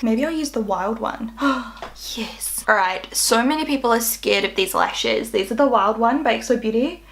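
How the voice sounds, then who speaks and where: A woman's voice: a little high, a bit bright. Bubbly, chatty woman vlogger. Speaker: beauty vlogger. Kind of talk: casual makeup tutorial chat.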